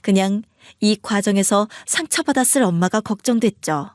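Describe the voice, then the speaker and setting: A woman's voice: mid-range voice, darkish tone, no echo, clean studio sound. A woman narrating a first-person story as the wife and speaking her lines in a cold, firm way.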